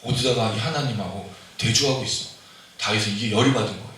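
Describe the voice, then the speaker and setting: Male pastor, sermon, animated and questioning, bright voice, very echoey hall. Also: fairly low pitch, fast, slight background noise. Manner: conversational, asks the congregation questions, animated. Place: church sanctuary. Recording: very echoey hall, mic at a distance.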